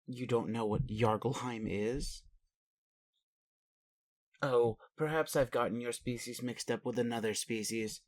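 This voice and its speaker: A man playing a puzzled, caring alien caretaker in a roleplay audio, speaking formally and haltingly to the listener with literal-minded curiosity. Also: medium pitch, close to an everyday voice. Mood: confused, curious. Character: puzzled, caring male alien caretaker aboard his spaceship.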